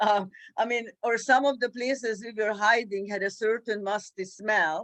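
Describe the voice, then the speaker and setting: A woman with a Hungarian accent speaks at a moderate pace in a fairly high voice, her intonation fairly even. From Hungary. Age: 70s. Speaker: holocaust survivor. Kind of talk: testimony.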